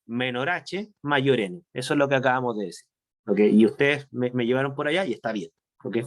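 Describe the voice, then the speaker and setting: A man giving a university chemistry lecture, explaining step by step, slowing down to stress key points and often checking that students follow. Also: medium pitch. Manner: explanatory, checks understanding with frequent tag questions. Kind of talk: online class lecture.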